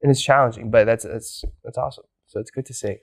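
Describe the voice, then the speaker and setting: A man's voice: medium pitch, fairly even intonation, fast talker, gravelly. A man who grew up in the United States, hosting a casual interview. He asks curious, rambling questions with many restarts. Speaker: talk show host.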